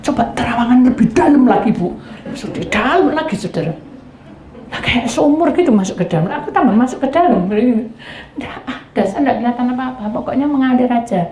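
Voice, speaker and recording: A woman's voice: a little fast, reverberant, slight background noise. A woman pastor preaching a sermon, telling stories and speaking straight to the congregation. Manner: lively storytelling, acting out quoted spouses in a high voice; addresses the congregation directly.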